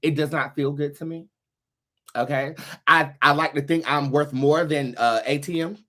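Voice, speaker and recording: A man's voice: a little high, steady tone, normal speed, sharp tone. Sassy, profane man hosting a show. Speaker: host of a tarot reading show. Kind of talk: casual livestream talk.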